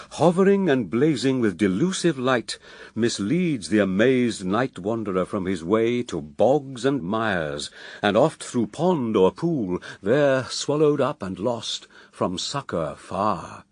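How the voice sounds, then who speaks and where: Male verse narrator for radio drama: unhurried, dramatic, very dry and close. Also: on the low side, sing-song, a little mellow, no echo.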